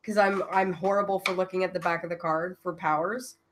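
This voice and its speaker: A woman's voice: lowish voice, fairly even intonation, a little fast, noisy background. A woman co-hosting a podcast, chatting casually about tabletop game rules with lots of filler words. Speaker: podcast co-host. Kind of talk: casual chat.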